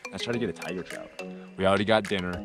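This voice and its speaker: A man's voice: deep voice, rapid-fire, creaky, over music. A young man talking casually to camera outdoors by a mountain lake, cheering as he lands fish. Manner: excited exclamations while landing fish. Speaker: fishing vlogger. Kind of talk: casual vlog narration. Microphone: action camera.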